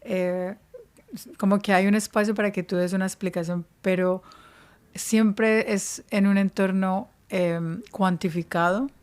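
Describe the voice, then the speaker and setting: Flat-toned woman giving career advice. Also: medium pitch, a little slow, clear, resonant tone. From Spain. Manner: explanatory, evenly paced answers. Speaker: podcast guest, career advisor. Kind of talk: interview podcast.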